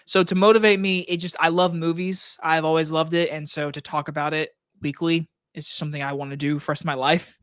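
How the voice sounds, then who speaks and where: Hoarse man streaming from his desk. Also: a little high, fairly bright tone, dry recording, studio quality. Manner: loose, rambling talk with many likes and restarts. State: hoarse, scratchy throat. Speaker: movie reviewer and channel host. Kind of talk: casual live stream Q&A. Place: home desk setup. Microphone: desk microphone on a boom arm.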